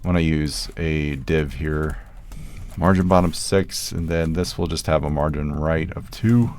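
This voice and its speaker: A man with a low voice walks through writing code in a relaxed, conversational way, talking to himself as he goes. He sounds like a screen-recorded coding tutorial, with keyboard typing heard behind him. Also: unhurried, slight background noise. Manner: casual, thinks aloud while typing code. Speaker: programming tutorial host.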